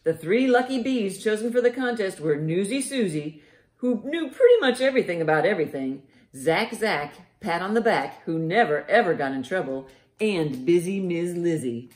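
Middle-aged female storytime host, very animated intonation, child-directed delivery, roomy living-room sound. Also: fairly low pitch. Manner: expressive, deliberate, child-directed. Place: living room, indoors by a fireplace.

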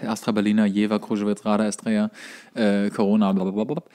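Fast-talking young man with dry humour. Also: fairly low pitch, little pitch movement, mellow. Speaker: podcast co-host. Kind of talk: casual banter.

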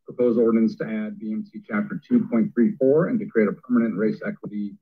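A man's voice: on the low side, steady tone, quick pace, husky. A man chairing a council meeting, talking things through conversationally with fillers, heard over thin phone-like meeting audio. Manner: conversational, thinks aloud with fillers. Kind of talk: meeting discussion.

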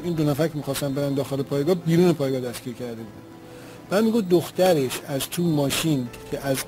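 A man's voice: fairly high pitch, warm tone, low-quality recording. A man giving spoken testimony as an eyewitness, retelling events in an earnest, vivid way.

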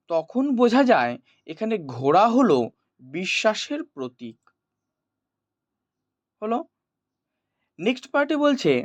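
A man's voice: high voice, dry recording. A man explaining a poem to students as a teacher, often posing questions and answering them himself. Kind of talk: explanatory poetry lesson for students.

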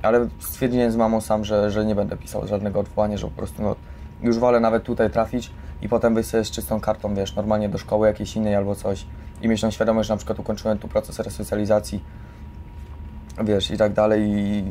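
A young man speaks in a lowish, flat voice with little lift. He rambles informally through his own story, tagging phrases with small questions, over faint noise. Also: fairly quick. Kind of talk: casual personal account. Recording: some steady background noise.

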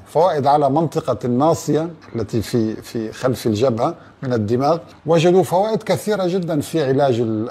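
Husky middle-aged guy preaching, earnest, keeps asking the listener questions. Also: fairly high pitch, darkish tone. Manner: earnest, asks rhetorical questions, addresses the listener directly. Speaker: religious speaker. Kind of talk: religious talk to listeners.

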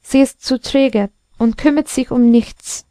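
A woman's voice: high voice, fairly even intonation, measured pace, warm tone, no room sound. Woman voicing an impatient talking clock. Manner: exclaiming, impatient. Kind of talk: storybook reading.

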